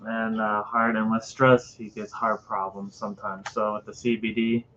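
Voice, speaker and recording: A man's voice: lowish voice, little pitch movement, normal speed, fairly bright tone, lo-fi sound, slight background noise. A man chiming in from off-mic with brief, offhand replies in a casual chat.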